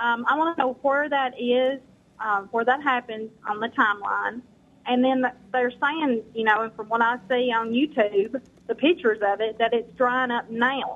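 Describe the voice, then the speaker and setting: Speaking with a strong Southern US accent, a woman keeps a high pitch, fairly even intonation and a moderate pace. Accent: strong rural Southern US. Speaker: caller. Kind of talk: call-in question.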